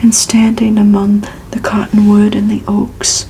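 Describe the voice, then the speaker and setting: A woman whispering a novel aloud as ASMR, in a breathy, soft and soothing, unhurried delivery. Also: mid-range voice, monotone, slight background noise, rough recording. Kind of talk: whispered ASMR audiobook reading.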